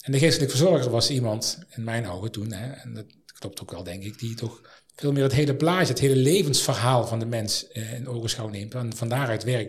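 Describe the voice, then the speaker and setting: A man with a medium pitch and ordinary pitch variation talks at a fairly quick pace, somewhat breathy, with big swings in loudness. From South Limburg, Netherlands. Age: 40s. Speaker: spiritual care worker. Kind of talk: interview conversation.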